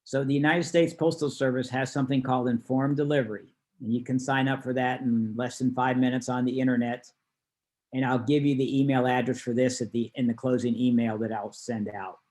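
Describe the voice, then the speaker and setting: A man's voice: medium pitch, little pitch movement, a little fast, a little mellow. A man working as a class instructor, explaining things conversationally in an informal online lesson. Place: online video call.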